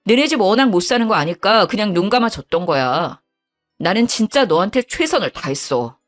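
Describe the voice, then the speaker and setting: A woman voicing an angry young husband who scolds bluntly in a lowered voice. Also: animated, brisk, faint music behind, natural voice.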